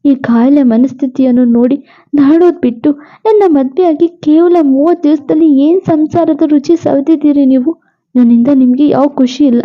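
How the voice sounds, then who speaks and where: A woman voicing a gentle, loving young wife who is dying and speaks in a soft, pleading way. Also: sits high, normal speed, narrow, tinny audio, close to an everyday voice. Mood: sad pleading.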